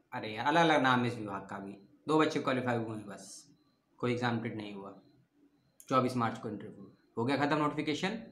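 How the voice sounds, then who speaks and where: A man of middle pitch talks in a loose, chatty way, working through long lists and stopping to fix his own mistakes out loud. He calls his listeners brother. The room around him rings with a noticeable echo. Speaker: education channel host. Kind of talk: casual informational talk reading out lists. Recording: roomy echo.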